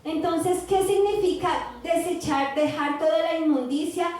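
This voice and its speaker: A woman's voice: extremely high pitch, a little slow, darkish tone, heavy reverb, rough recording. A woman pastor with a Colombian Spanish accent preaching a sermon, teaching and often checking in with the congregation. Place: church.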